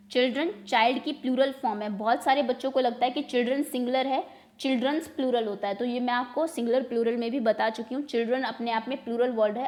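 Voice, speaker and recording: Indian lady teacher doing exam revision, slightly high voice, mixes english into her explanations. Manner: explains in Hindi, mixing in English words and sentences; reads the quiz items out slowly, then explains quickly.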